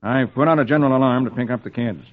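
A man voicing a brisk, matter-of-fact police detective on an old radio broadcast. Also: medium pitch, narrow, tinny audio, close to an everyday voice.

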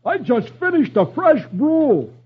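A man voicing a simple-minded army camp cook with a slow, dopey manner. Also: very high voice, very animated, pitched above the performer's own voice, exaggerated voice. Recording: dull old radio recording.

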